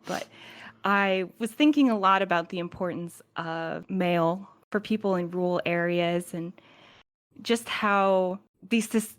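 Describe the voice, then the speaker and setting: A woman speaks in a moderately low voice. She co-hosts a podcast in a relaxed, casual chat style. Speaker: podcast co-host.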